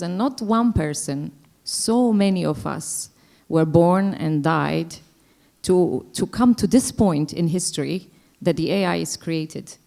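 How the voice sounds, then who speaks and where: Lady on a panel, low gravelly voice, lots of uhs, thinking out loud. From Croatia. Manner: thoughtful, hesitant with many fillers. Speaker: panelist, dance company director. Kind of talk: panel discussion remarks.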